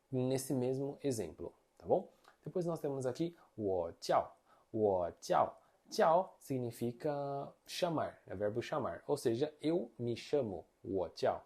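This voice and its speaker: A man's voice: mid-range voice, dark tone, slightly rough. A man with a Brazilian Portuguese accent teaching basic Mandarin in a casual online lesson, explaining patiently and ending his points with little check-in questions. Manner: explanatory, many tag questions, slow demonstrations of phrases.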